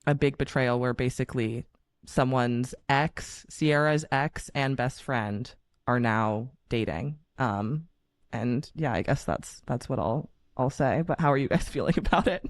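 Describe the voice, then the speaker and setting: A man hosting a podcast interview, upbeat and quick to agree in casual chat. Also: medium pitch, dry recording, clean studio sound. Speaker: podcast host.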